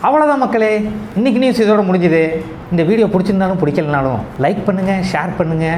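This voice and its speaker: A man's voice: high-pitched, quick pace, darkish tone, slight background noise. A man hosting a comedy news show, reading each headline and then mocking it with sarcastic asides. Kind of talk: satirical news reading with quips.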